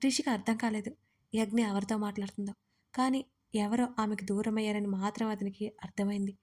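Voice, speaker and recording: Woman narrating a story, mellow voice. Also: mid-range voice, level tone, a little fast.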